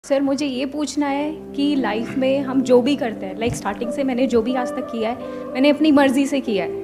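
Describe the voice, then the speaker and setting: Earnest high-voiced young woman asking. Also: fairly quick, loud music behind the voice. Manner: earnest, mixes Hindi and English. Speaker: audience member asking a question. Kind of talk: earnest question.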